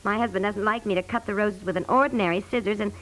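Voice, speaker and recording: A woman's voice: mid-range voice, fairly even intonation, quick pace, natural voice. An actress playing a polite, flustered suburban wife and mother in a 1950s radio comedy, chatty and nervously sociable. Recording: noisy vintage 1950s radio recording.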